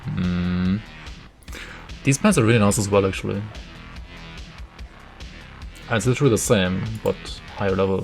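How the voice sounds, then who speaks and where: A man's voice: lowish voice, darkish tone. A man, an English speaker, streaming a game and casually thinking aloud while answering chat, with many "like" fillers. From Germany. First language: German. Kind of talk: live gameplay commentary, reading chat.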